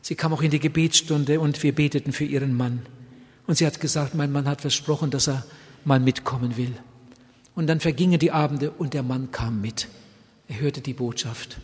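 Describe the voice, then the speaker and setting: A man preaching a sermon and telling a story, swinging from loud, urgent appeals to hushed, almost whispered passages. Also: medium pitch, steady tone, normal speed. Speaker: evangelist preacher. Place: large event hall. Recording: long hall reverb.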